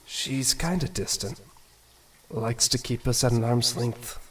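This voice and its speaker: A man playing an awkward, self-doubting young prince musing to himself in a fan audio drama, with a husky voice. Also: medium pitch, a little slow, recorded from a distance. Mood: wistful musing. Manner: casual, introspective musing.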